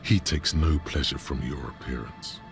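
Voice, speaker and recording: A rumbling, gravelly game narrator. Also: male voice, steady tone, faint music behind. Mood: calm, dry. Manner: measured, dry descriptive delivery. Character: gravelly omniscient male narrator voice, calm and observant.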